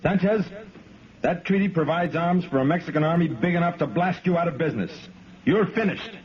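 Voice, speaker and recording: An actor playing a calm army lieutenant who also narrates the story, in a 1950s radio drama. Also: male voice, fairly high pitch, fairly quick, close to an everyday voice. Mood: determined. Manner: calm, matter-of-fact. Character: steady army lieutenant narrating his adventure. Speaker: narrator and hero. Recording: muffled old radio broadcast with hiss.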